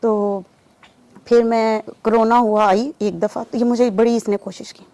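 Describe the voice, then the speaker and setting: A woman giving a personal testimony in an interview, telling her story in a lively way and acting out the remembered dialogue. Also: fairly high pitch, measured pace, no room sound. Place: lives in Saudi Arabia.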